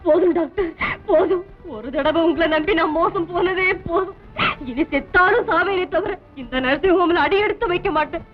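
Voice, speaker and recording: An actress playing a frightened young pregnant wife in a 1960s film melodrama, tearful and pleading. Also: female voice, very high-pitched, quick pace. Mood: despairing. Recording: dull old film soundtrack with music.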